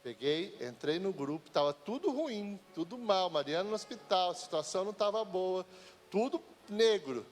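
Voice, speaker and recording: A man in his fifties preaching a sermon, dropping low and slow for scripture, then rising high and loud when he pleads. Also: expressive. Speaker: pastor. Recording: church hall reverb.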